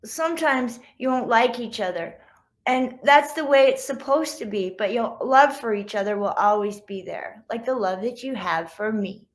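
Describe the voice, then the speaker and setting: A woman's voice: a little high, animated, normal speed, lightly acted. A woman voicing a loving but firm mother dog in a children's storybook, giving patient, rhyming advice to her pups. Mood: gentle, instructive. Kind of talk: children's picture-book read-aloud.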